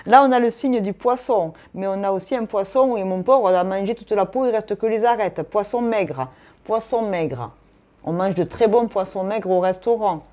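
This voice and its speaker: A woman's voice: mid-range voice, a little fast, few pauses, mellow. A woman from France, giving a casual tarot and astrology reading in a chatty, thinking-aloud manner. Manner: chatty, thinks aloud, frequent tag "hein". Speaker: tarot reader.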